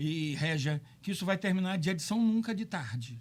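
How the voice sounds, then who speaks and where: Using a high pitch with very wide pitch swings, a man speaks at a moderate pace. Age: 60s. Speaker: professor. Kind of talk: radio interview. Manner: explanatory, lecture-like.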